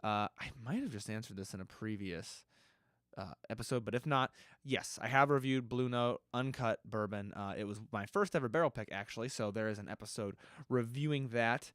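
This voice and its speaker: A man with a slightly stuffy nose, hosting his own podcast in a relaxed, rambling way. He often stops to correct himself, and his voice sits at an ordinary middle pitch. The sound is close and dry, with no room echo. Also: a little fast. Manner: loose and rambling, with frequent self-corrections. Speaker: podcast host. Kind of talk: casual solo podcast answering listener questions.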